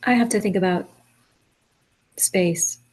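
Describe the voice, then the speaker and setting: A woman's voice: medium pitch, slow pace, a little mellow. A woman being coached, speaking casually and hesitantly as she thinks aloud. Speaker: coaching client. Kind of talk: reflective casual conversation.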